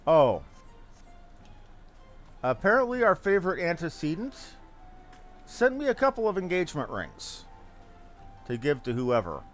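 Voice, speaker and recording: Guy streaming a game, higher voice that swings around a lot, casual commentary, faint music. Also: wildly swooping pitch, measured pace, long pauses.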